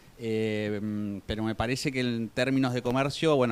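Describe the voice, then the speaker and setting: With an Argentine accent, a man speaks at a fairly low pitch using fairly even intonation. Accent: Argentine Spanish (Rioplatense). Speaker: panelist. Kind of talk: panel discussion. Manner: halting, many fillers.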